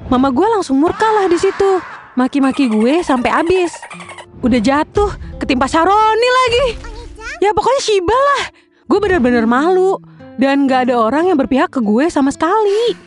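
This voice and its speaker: Young woman, high-pitched, candid slangy storyteller; soft music bed. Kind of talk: casual first-person storytelling.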